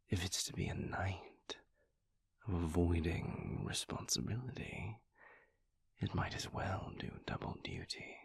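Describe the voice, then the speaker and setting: A man voicing a seductive, weary, refined vampire lover in an intimate romantic audio roleplay, with a breathy, gravelly whisper and a languid, formal delivery. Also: low-pitched, no echo, exaggerated voice. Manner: slow, languid, formal wording with pauses.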